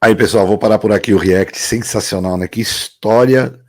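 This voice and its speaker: Low-voiced Brazilian man reacting. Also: normal speed. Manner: warm, repeats praise, addresses viewers directly. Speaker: react video host. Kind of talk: casual reaction commentary.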